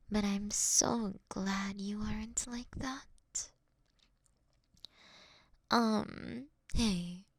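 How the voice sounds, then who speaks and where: Here the woman's mid-range, creaky voice is studio quality with no echo as she plays a courteous, doting vampire wryly confessing to her sleeping prey. It's scripted roleplay for one listener, slow, intimate, gently theatrical, breathy and often whispered. She sounds gentle and grateful.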